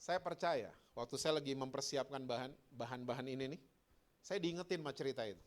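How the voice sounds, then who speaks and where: A man's voice: medium pitch, a little fast. A middle-aged man, a pastor preaching a sermon in a conversational way, with slang and rhetorical questions.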